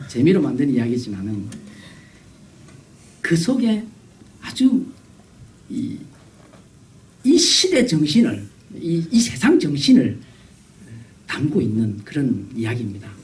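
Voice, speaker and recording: A man preaching a revival sermon as guest pastor, animated and acting out the voices he quotes. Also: medium pitch, slow pace, pauses often, recorded from a distance, low-quality recording. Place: church sanctuary.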